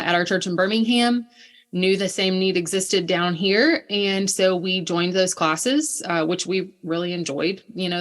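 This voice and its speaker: Guest, woman, 30s, from Alabama; earnest, detailed storyteller, lower pitch. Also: a bit bright. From Alabama, USA. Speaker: missionary guest. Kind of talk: conversational storytelling.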